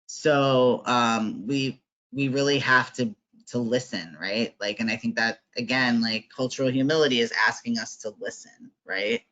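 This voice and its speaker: A man's voice: mid-range voice, measured pace, pushed and bright, highs cut off. A man facilitating an online workshop, talking conversationally with lots of fillers and tag questions.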